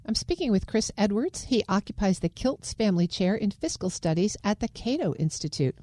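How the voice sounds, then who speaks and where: A woman's voice: mid-range voice, sing-song, fairly quick, warm tone, no room sound. An American woman hosting a news interview. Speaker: radio interviewer and host.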